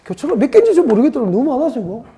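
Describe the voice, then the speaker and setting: A woman's voice: high-pitched, sing-song, racing, mellow, slight background noise. A woman from Seoul giving an exam-prep lecture, firing rhetorical questions and drilling mnemonics by repetition. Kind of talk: classroom lecture.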